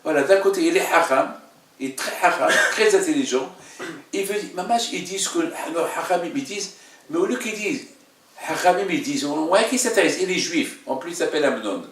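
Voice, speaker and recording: Halting, emphatic man teaching in an echoey room. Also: on the high side, animated, fairly bright tone. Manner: repeats phrases, halting, emphatic. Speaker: religious teacher, rabbi leading a class. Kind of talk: informal religious lesson with questions. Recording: echoey room, mic at a distance.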